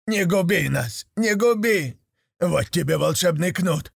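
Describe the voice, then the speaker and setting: A man's voice: high voice, lively intonation, measured pace, creaky, breathy edge, no echo, clean studio sound, pitched above the performer's own voice, exaggerated voice. A man voicing a group of frightened forest devils who plead fearfully.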